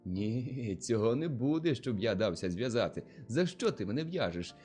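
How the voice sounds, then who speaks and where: A male narrator voicing a defiant, hot-tempered young male villager who talks loudly and scornfully. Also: fairly low pitch, lively intonation, normal speed, faint music behind, close to an everyday voice. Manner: loud, scornful, challenging.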